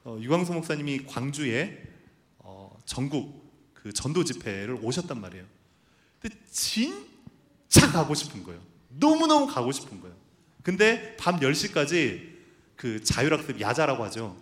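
A man's voice: mid-range voice, big pitch swings, normal speed. A man who is a pastor, preaching a sermon and telling a personal story, acting out the voices of people he quotes.

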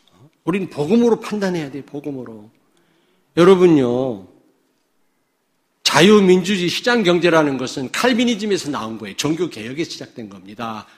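This Chungcheong pastor preaches to his congregation, alternating booming proclamations with hushed side remarks. Rhetorical questions come up again and again in his South Korean sermon.

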